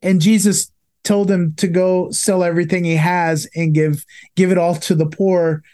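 A man's voice: high-pitched, level tone, moderate pace, dark tone. A man hosting a Christian podcast, interviewing a guest with enthusiastic, affirming remarks and long reflective questions. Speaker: podcast host.

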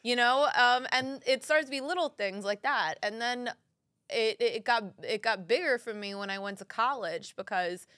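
A woman, telling stories in an animated, joking way as a studio guest. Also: fairly high pitch, normal speed, no room sound. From Brooklyn, New York. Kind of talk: casual interview chat.

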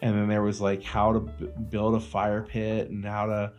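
A man's voice: on the low side, completely flat delivery, moderate pace, a little mellow, highs cut off, faint music behind. A man hosting a podcast in casual chat, opinionated and slangy, swearing freely. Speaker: podcast host.

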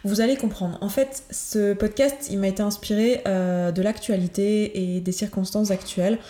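A woman's voice: medium pitch, fairly even intonation, normal speed, dark tone, echoey room. A woman hosting her own coaching podcast, talking earnestly and hesitantly, with many fillers and restarts. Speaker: podcast host, certified coach. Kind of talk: solo podcast talk.

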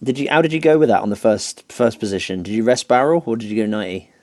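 A man chatting casually on a podcast, easygoing and quick to agree and chuckle. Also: on the low side, darkish tone, no room sound, clean studio sound.

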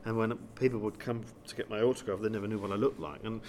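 A man's voice: lowish voice, fairly even intonation, fast, a little mellow, a little hiss or hum. A man, a comedian chatting playfully and enthusiastically as an interview guest. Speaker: guest, comedian and pantomime actor. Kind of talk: animated interview chat with comic wordplay.

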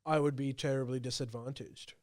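A man's voice: mid-range voice, steady tone, brisk, darkish tone, no room sound, clean studio sound. A man from Pakistan whose first language is Urdu, co-hosting a podcast and explaining things in a casual, talkative way. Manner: explanatory, speaks in long informal runs with fillers. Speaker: podcast co-host.

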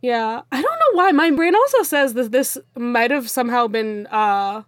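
A woman's voice: a little high, expressive, normal speed, no room sound, clean studio sound. A woman co-hosting a podcast in casual chat, swearing and laughing easily. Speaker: podcast co-host.

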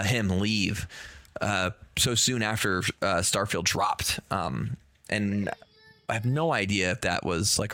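A hoarse man co-hosting a gaming podcast, his voice worn out from being sick. He talks in a rambling, filler-heavy way, his tone low-set but bright and forceful. The sound is dry and close. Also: dry recording. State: hoarse, losing his voice from illness. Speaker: podcast co-host. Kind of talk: casual gaming podcast chat.

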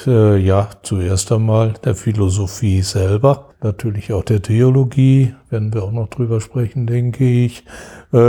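Low, dark, husky-voiced male academic. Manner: lecturing, searching for words with many restarts and fillers. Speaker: guest expert on Islamic history. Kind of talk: academic interview talk.

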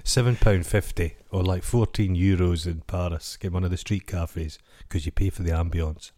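Very deep-voiced rambling Scottish man. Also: fairly even intonation, normal speed, dark tone. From Scotland. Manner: rambling, jokey, trails off into tangents. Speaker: podcast co-host. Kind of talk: casual comedic chat.

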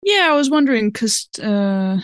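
A woman's voice: fairly high pitch, very animated, moderate pace, clear, resonant tone, dry recording, studio quality. A woman playing a tabletop game, thinking through her moves aloud in casual chat.

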